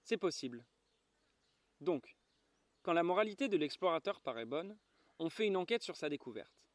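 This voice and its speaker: A man's voice: on the high side, very animated, moderate pace, no room sound. A man reading as a pompous old geographer. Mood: lofty.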